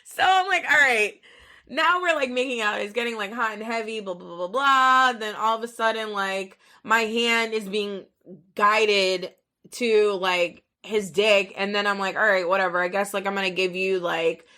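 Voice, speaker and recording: A woman's voice: medium pitch, normal speed. A woman in her thirties hosting a podcast, telling a personal story in a rambling, profane, casual way, full of fillers and acted-out quotes. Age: 30s. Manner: rambling, profane, filler-heavy, animated retelling with quoted voices. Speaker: podcast host.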